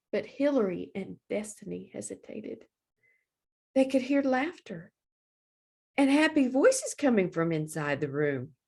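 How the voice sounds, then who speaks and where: A woman reading aloud for young children as a librarian, with deliberate, expressive phrasing. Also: mid-range voice, slightly rough.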